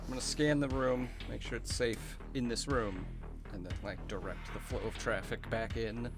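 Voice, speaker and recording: A man's voice: mid-range voice, steady tone, moderate pace, music in the background. A man playing a tabletop game, casually improvising what his character does and says. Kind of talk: casual improvised role-play.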